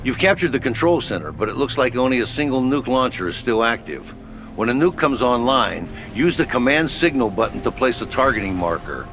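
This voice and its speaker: An actor playing a headquarters radio operator in a video game, giving brisk, matter-of-fact mission briefings. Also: male voice, medium pitch, sing-song, music in the background.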